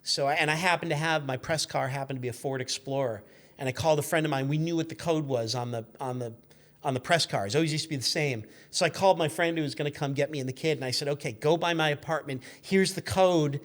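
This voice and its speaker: A man's voice: fairly high pitch, fast talker, a bit bright. A man in his fifties telling stories casually as a guest, correcting himself as he goes. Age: 50s. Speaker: guest, car magazine editor. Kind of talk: casual conversational storytelling.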